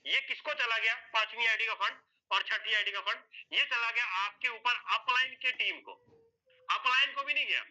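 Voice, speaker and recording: A man's voice: very high-pitched, normal speed, bright, forceful tone. A man walking listeners through an explanation on a whiteboard, step by step, repeating points, asking himself questions and answering them, and calling his listeners sir and brother. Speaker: presenter explaining an earning plan. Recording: dull lo-fi recording.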